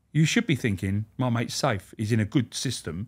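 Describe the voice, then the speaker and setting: A man with a London accent, lively intonation and a moderate pace, on a very clean recording with a silent background. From South London. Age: 50s. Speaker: ex-prison officer. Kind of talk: casual interview chat. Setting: studio. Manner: animated.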